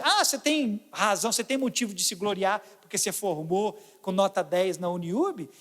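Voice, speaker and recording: A man with a Brazilian Portuguese accent preaching a sermon as pastor, swinging between loud exclamations and quiet asides. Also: extremely high pitch, long reverb tail.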